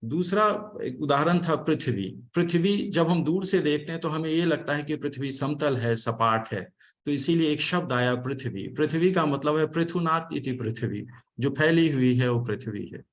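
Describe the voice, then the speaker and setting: A man's voice: on the high side, expressive. Formal Indian man on a video call. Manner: formal, explanatory, with frequent pauses and restarts. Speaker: speaker giving vote of thanks. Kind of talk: formal online seminar talk.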